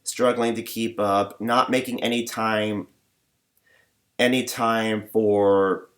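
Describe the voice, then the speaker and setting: A young man rambling in a personal vlog, talking in a flat monotone with many fillers and false starts. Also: fairly low pitch, slow. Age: young adult. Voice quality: limited, flat range. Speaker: vlogger.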